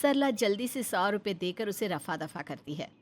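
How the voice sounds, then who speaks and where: A woman's voice: mid-range voice, animated, moderate pace, very noisy. A woman narrating a cartoon story in a plain storytelling manner.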